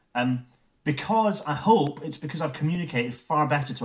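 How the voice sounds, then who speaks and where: Here a man speaks at a fairly quick pace with lively intonation. His voice is somewhat breathy. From Scotland, Aberdeenshire (Inverurie). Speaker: railway commentator and campaigner. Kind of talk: live-stream Q&A. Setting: home office live stream. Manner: casual, hesitant with fillers.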